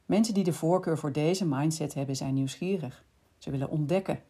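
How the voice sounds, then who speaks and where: A woman hosting a podcast, calmly explaining in scripted narration and speaking directly to the listener. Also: sits low, brisk, husky. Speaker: podcast host.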